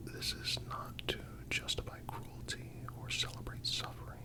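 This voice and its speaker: A soothing ASMR narrator reading a scripted reflection in a breathy, unvoiced whisper, measured and deliberate.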